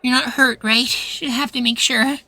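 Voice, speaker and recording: A man acting a sweet, anxious, devoted young boywife in a soft, pleading ASMR roleplay. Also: extremely high pitch, steady tone, moderate pace, gravelly, no echo, exaggerated voice. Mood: worried, relieved.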